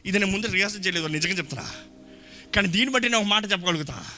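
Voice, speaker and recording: A man preaching a lively sermon to his congregation in a church, shouting at times and mixing in English phrases. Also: high-pitched, very fast, soft background music. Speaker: pastor. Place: church hall.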